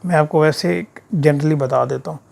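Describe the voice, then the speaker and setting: A man with a sore throat giving an informal step-by-step software tutorial, often checking that the learner follows with short tag questions. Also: on the high side, fairly even intonation, moderate pace, gravelly. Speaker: instructor of an accounting software course. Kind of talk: screen-share tutorial, informal explaining. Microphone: voice-over of a screen recording.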